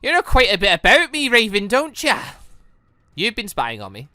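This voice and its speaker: Defiant teen lead read by a gaming host, sharp-witted, indignant, lively pitch swings, visual novel drama. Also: normal speed, no room sound, studio quality. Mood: defensive, challenging. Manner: indignant, challenging. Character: defiant, sharp-witted teenager confronting an older woman.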